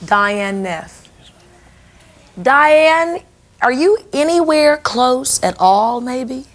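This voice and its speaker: A woman's voice: high-pitched, animated, extremely slow. A woman hosting a television talk show, coaxing a guest to share his story before a studio audience.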